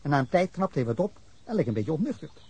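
A man's voice: on the high side, sing-song, fast, a little mellow, breathy edge. An actor playing a defensive middle-aged man giving police an angry, rambling account of a drunken fight, in a radio drama. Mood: indignant. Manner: indignant, rambling account with bursts of anger. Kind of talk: Dutch radio drama acting.

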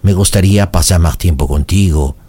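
A man's voice: sits low, husky. A man playing a flowery, courtly French suitor in his forties on a prank call. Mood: romantic. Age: 40s. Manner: flowery, courtly, slow romantic flattery. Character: smooth-talking French suitor man, middle-aged.

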